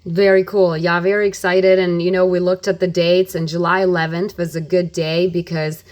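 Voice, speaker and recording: A low-pitched middle-aged woman from Ukraine speaks earnestly as a radio interview guest. She keeps dropping "you know" between her points, in an unhurried and sincere manner. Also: little pitch movement, a little mellow. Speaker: guest, nonprofit president. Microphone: phone or studio mic on radio.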